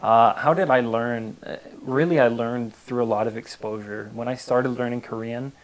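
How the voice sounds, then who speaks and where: A young Canadian man in his twenties, talking through interview questions. He speaks earnestly and at an even pace, dropping in plenty of "uh" and "um" as he goes. His voice sits in a middle register for a man. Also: mid-range voice, normal speed, poor audio. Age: 20s. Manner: earnest, steady, with frequent fillers. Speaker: interview guest. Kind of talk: casual interview answers.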